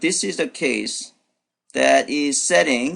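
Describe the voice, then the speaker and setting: A man speaks with a Korean accent. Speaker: programming instructor. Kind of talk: live coding tutorial. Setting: webinar screen share. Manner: halting, many fillers.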